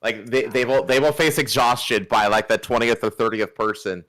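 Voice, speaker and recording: A man's voice: medium pitch, fairly even intonation, normal speed, a bit bright. A man chatting as a livestream guest, explaining things informally in casual banter.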